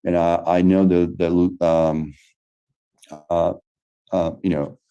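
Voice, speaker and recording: Hesitant Brazilian man, deep flat voice. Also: takes it slowly, clean tone, lo-fi sound. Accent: Brazilian Portuguese. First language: Portuguese. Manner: hesitant, many fillers and restarts. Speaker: lecturer. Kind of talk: online lecture Q&A. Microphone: video call.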